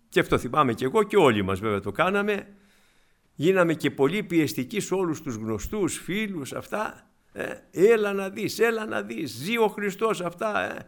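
A preacher with a high-pitched, ringing voice. He talks to the congregation with great fervour and calls them beloved brothers over and over. His laughter comes easily as he tells stories about his own past. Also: a bit bright. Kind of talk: sermon.

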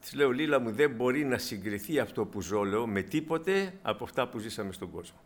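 A man preaching a sermon in a meeting hall, calling his listeners brothers and moving between loud emphatic bursts and quiet asides. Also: mid-range voice, expressive.

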